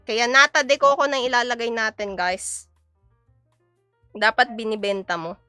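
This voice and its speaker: A woman's voice: a little high, fairly even intonation, measured pace, sharp tone, clear, resonant tone, no echo, clean studio sound, soft background music. Playful, giggly young woman streamer. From Philippines. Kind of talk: casual live-stream chat while cooking.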